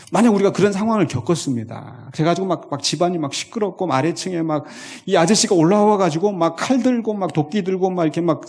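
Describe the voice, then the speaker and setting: Male pastor, sermon, lively rising and falling pitch, fairly high voice, slow emphatic scripture reading. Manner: animated preaching, reads scripture slowly and with feeling.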